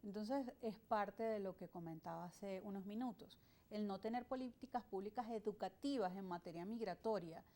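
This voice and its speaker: A mid-pitched woman from Venezuela speaks as an immigration lawyer in a studio interview. She explains in a measured way, often pausing on fillers while she thinks through each point. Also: dark tone. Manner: measured, explanatory, with frequent hesitations. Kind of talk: interview answers.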